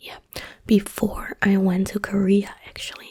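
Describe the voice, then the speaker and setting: A woman whispers at a fairly slow pace with a Dutch accent. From Netherlands. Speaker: ASMR YouTuber. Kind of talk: ASMR storytime rambling. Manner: whispering and soft-spoken; casual, rambling.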